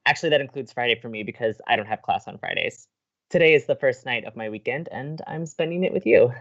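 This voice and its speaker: A man's voice: mid-range voice, fast, fairly bright tone, muffled recording, lightly acted. A man playing an upbeat, teasing college radio co-host in an audio romantic comedy, with a playful, breezy manner. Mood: eager, flirty.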